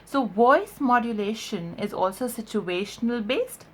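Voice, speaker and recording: A non-native English speaker who coaches voice and accent online explains a lesson on video, hitting key words hard and drawing them out. She frequently adds quick check-ins such as "right?". She speaks with a slightly high voice and lively intonation.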